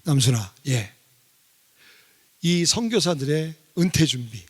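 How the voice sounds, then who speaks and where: A male preacher voicing God as a calm, fatherly male figure in a testimony, speaking slowly and deliberately. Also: breathy edge, heavily acted. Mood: gentle. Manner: slow, lowered, deliberate delivery. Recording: long church hall reverb.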